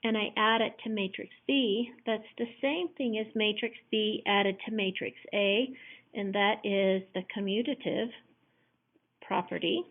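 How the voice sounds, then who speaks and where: A hoarse woman teacher patiently explaining matrix math step by step in a recorded lesson. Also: medium pitch, fairly even intonation, a little slow. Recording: tinny phone-like audio.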